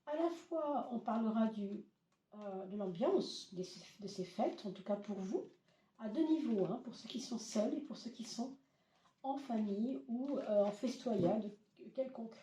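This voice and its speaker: Hoarse woman reading tarot, echoey room. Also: fairly high pitch, expressive, a little slow, distant mic. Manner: hesitant, many fillers, gentle reassuring address. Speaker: tarot reader. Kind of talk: casual tarot reading to camera. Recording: roomy echo, voice off-mic.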